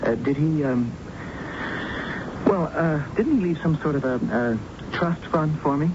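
Actor as halting nervous young son, muffled radio. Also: male voice, a little high, natural voice. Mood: nervous, hedging. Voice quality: hesitant, stammering delivery. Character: nervous, halting college-age son, earnest and stubborn. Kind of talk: radio drama acting. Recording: muffled, noisy old radio broadcast.

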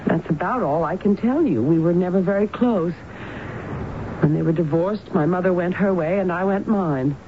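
A woman's voice: moderate pace, natural voice. Woman acting uneasy radio-drama patient, muffled noisy recording. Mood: puzzled, reserved. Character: puzzled, uneasy married woman under a doctor's questioning. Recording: dull, noisy 1970s radio recording with rumble.

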